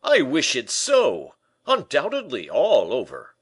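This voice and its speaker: Male reader doing a loud, high, pompous nobleman for an audiobook; hot-tempered, boastful. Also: huge pitch swings, slow pace, husky, full character voice. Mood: indignant. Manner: pompous, indignant, loud outbursts. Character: vain blustering middle-aged nobleman, hot-tempered. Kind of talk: audiobook character voice.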